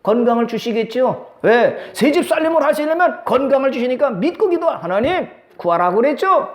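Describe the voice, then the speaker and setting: A man's voice: very high voice, animated, normal speed, roomy sound. A middle-aged male pastor preaching a sermon, often asking the congregation questions and waiting for their answer. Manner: preaching with call-and-response questions.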